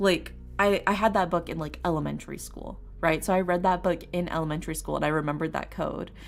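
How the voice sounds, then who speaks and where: Music plays underneath. A woman speaks very fast over it. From Texas and Louisiana. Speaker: streamer, tarot reader. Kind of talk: casual chat. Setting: live stream. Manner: casual, filler-heavy.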